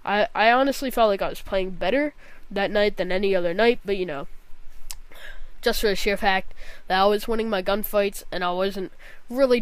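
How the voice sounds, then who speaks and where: A woman's voice: mid-range voice, smooth, no echo. A young woman with a nasal, congested voice from a cold, giving a casual, rambling gaming vlog. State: sick with a cold, scratchy throat, nasal. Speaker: gaming vlogger.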